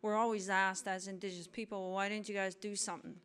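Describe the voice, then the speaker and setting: Brisk woman speaker rushing through slides. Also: mid-range voice, clear, resonant tone. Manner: brisk and hurried, lively. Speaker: activist and co-founder giving a talk. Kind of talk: fast conference presentation with slides. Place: lecture hall at a law school.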